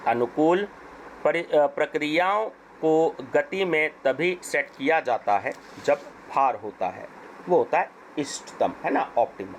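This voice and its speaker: A hoarse man with an Indian accent, teaching as he goes through an exam paper question by question. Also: on the high side, a little hiss or hum, rough recording. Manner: slow, deliberate question-and-answer reading.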